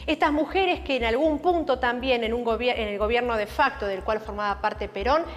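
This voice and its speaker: A woman's voice: a little high, a little fast. A woman explaining history in a documentary interview, building her points with lists and emphasis. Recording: long hall reverb.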